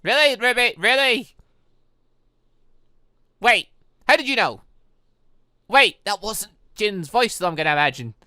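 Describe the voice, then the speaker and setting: Gamer doing a playthrough, rambly and excitable, voice jumps all over, sharp and close dry sound. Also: medium pitch, unhurried, long pauses, no room sound. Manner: animated, exclamatory, rambling asides. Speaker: gaming channel host. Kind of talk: playthrough commentary mixed with reading game dialogue aloud.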